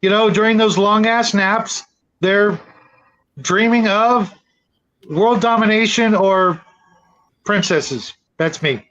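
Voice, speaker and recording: A man's voice: sits high, slow, long pauses, fairly bright tone, dull audio. A man hosting a casual online panel discussion, chatting informally with the other guests. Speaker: host of online roleplaying panel.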